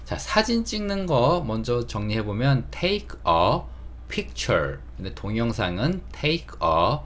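A man teaching English phrases, patiently repeating each one slowly. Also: medium pitch, sing-song, a bit bright, slight background noise. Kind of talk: explaining English phrases to Korean learners.

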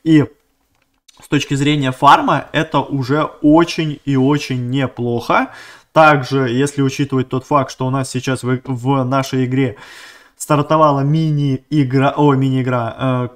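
A man's voice: mid-range voice, steady tone, a little slow. Chatty man doing game commentary. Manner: chatty, thinks aloud and corrects himself mid-sentence; uses many diminutives and gamer slang. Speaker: gaming YouTuber. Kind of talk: casual gameplay commentary.

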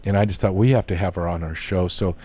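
An older man with a lowish voice hosts an interview show from his book-lined home study. He speaks earnestly into a close studio mic, often stumbling and restarting his sentences. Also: mellow, husky. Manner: earnest, halting with frequent restarts. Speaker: host. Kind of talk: podcast interview. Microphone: studio mic on boom arm, headphones.

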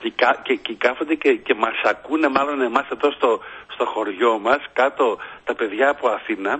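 Husky man ranting on a phone-in. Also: medium pitch, a bit bright. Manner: repetitive, mimics another caller's accent. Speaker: radio caller. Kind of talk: rambling mocking call-in rant. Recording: muffled phone-in radio line.

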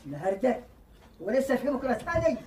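A put-upon merchant in a historical film. His voice is very high. He sounds resigned and complies grudgingly. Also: very animated, fast, darkish tone, a little hiss or hum. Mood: weary.

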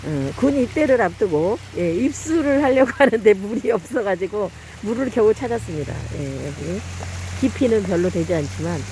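A woman giving excited, casual live commentary from behind a camera outdoors. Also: medium pitch, moderate pace. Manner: excited cheering and exclaiming. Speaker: camera operator and narrator. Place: outdoors beside a snowy stream. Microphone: behind the handheld camera. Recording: noisy outdoor phone camera recording.

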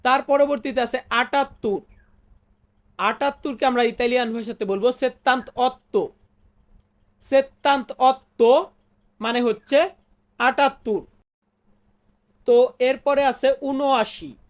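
A woman with a slightly high voice gives a patient, step-by-step language lesson. She speaks very slowly, saying each new word with care and repeating it before she explains it. Now and then she puts a question to the listener. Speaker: language teacher.

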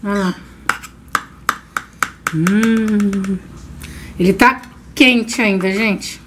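A woman's voice: medium pitch, very slow. A woman in her thirties hosting a casual home cooking vlog in her kitchen, chatting to viewers as she films on a handheld phone. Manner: chatty, addresses viewers as "gente". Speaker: cooking channel host. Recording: faint background noise.

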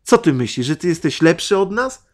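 A man's voice: on the high side, big pitch swings, a little fast. A man from Poland hosting a podcast, delivering an angry, sarcastic monologue full of swearing and rhetorical questions. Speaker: podcast host. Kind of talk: ranting monologue.

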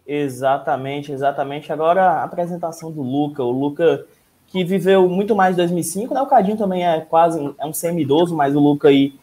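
A man's voice: fairly high pitch, brisk, mellow. A man in his thirties hosting a casual live sports talk over a video call. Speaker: host. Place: room at home, indoors. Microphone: wired earphone mic on video call.

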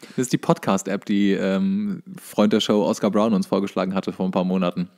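A man's voice: low-pitched, fairly even intonation, a little fast, creaky, darkish tone. A young man co-hosting a podcast in casual banter, slipping in dry, joking asides. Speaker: podcast co-host.

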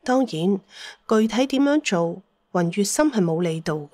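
A woman's voice: medium pitch, expressive, moderate pace, darkish tone, dry recording. A woman narrating a scripted dramatic story as an audiobook narrator.

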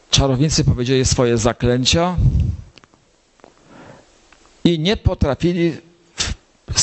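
A priest giving a sermon to a gathering, slowly telling the story and rising to high, emphatic lines. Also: male voice. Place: gathering of bible circles.

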